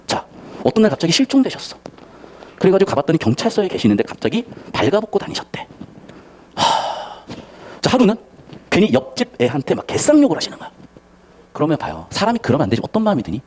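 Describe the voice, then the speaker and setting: Guy tutor lecturing students, quick and animated, acts out the lines, slangy. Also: on the high side, slightly rough. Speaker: Korean language and literature tutor.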